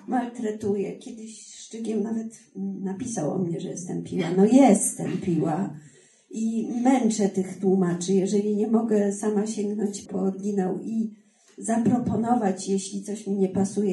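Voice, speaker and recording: A woman's voice: medium pitch, gravelly, dark tone, reverberant, distant mic, poor audio. A woman, a book editor with a translator's diploma, telling stories in a podcast conversation, self-deprecating and emphatic.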